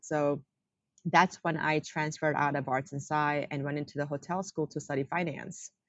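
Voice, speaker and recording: A woman with a Korean accent and a very deep, low pitch. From South Korea, Gyeonggi-do province, until age 14. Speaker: real estate executive. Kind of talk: interview.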